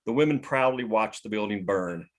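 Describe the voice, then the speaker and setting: Casting: male script narrator, fairly low voice, reading scene headings and action. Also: expressive, normal speed. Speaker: narrator reading stage directions. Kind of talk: scripted narration at a table read.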